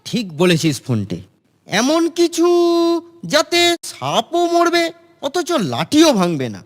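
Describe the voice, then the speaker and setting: A woman's voice: fairly high pitch, huge pitch swings, slow, heavily acted. A woman voicing a crafty, conspiratorial young schoolboy in a cartoon. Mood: pondering. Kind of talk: cartoon voice acting. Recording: music behind.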